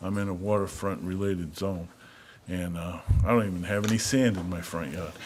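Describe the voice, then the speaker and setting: With ordinary pitch variation and audible room echo, the speech moves at a fairly quick pace. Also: man, very deep, low pitch for a man. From Rhode Island. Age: 70s. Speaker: resident speaking at public comment. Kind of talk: public comment at town council meeting.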